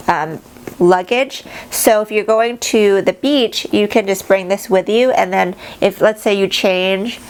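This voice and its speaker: A woman's voice: mid-range voice, creaky. A woman giving a casual, chatty show-and-tell as a travel vlogger, explaining things informally to camera.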